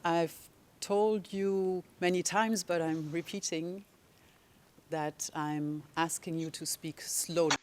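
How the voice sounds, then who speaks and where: A lawyer for victims in a courtroom, speaking slowly and deliberately while explaining procedure and questioning a witness. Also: medium pitch, a little hiss or hum. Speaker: legal representative of victims.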